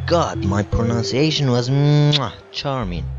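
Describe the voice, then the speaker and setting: With music in the background, a man speaks at a medium pitch using very wide pitch swings. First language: not English. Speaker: youtuber. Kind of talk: scripted narration. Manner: casual, animated.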